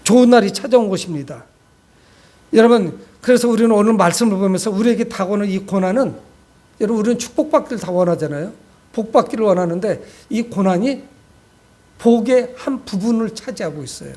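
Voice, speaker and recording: A man's voice: sits high, animated, fairly quick, dark tone. A man preaching a sermon as a pastor, exhorting his congregation with frequent direct appeals and rhetorical questions. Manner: exhortative, addresses listeners often with rhetorical questions.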